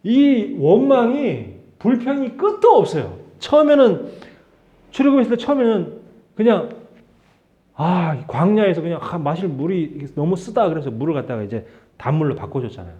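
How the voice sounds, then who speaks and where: A man's voice: high voice, big pitch swings, moderate pace, mellow, muffled recording. A man preaching a sermon as pastor, in a conversational style that acts out the quotes he tells. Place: church sanctuary.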